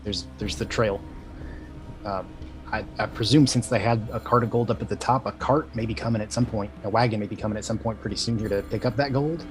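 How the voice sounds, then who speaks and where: A man playing a tabletop game, laying out a plan in a measured way. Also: fairly low pitch, steady tone, music in the background. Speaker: player. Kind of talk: tabletop role-play chat.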